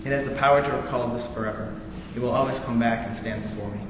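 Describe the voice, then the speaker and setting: A young man, a student veteran, reads a war novel aloud in a steady, earnest voice. The recording is dull and lo-fi, with a long hall reverb behind him. Steady noise sits under his voice. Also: medium pitch. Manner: halting intro with many fillers, then steady earnest reading. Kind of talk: live reading of a novel passage. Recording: roomy echoey hall, dull lo-fi sound, noisy.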